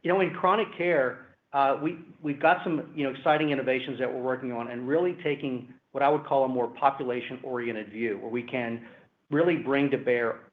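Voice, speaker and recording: A man speaking as a company executive, giving measured, hedging answers on an earnings call. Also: medium pitch, fairly even intonation. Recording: roomy, phone-like conference call line.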